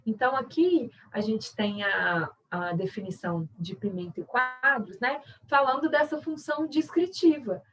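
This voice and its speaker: A woman's voice: on the high side, expressive, normal speed, hardly any pauses, fairly bright tone, recorded from a distance, faint music behind, low-quality recording. A woman with a Brazilian Portuguese accent, a sign language interpreter teaching an online workshop in a conversational, explanatory way with frequent tag questions.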